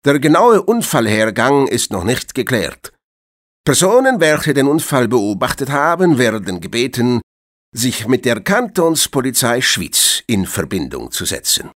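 Bright, animated formal newsreader. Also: male voice, mid-range voice, a little slow. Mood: formal, serious. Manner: formal, emphatic. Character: formal male evening newsreader of police reports. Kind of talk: scripted news bulletin.

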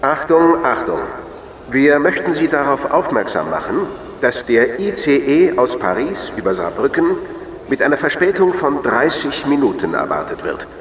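Echoey far-off station pa, actor as formal male announcer, lively pitch swings, some background noise. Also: close to an everyday voice. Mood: formal, alerting. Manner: formal, deliberate, emphatic. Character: formal railway station announcer reading train updates. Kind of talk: scripted public address announcement.

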